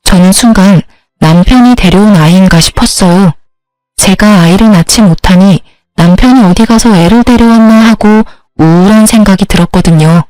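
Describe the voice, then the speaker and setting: A woman's voice: medium pitch, normal speed, no echo, soft background music, rough recording. Woman narrating a first-person story. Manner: first-person, steady confiding telling.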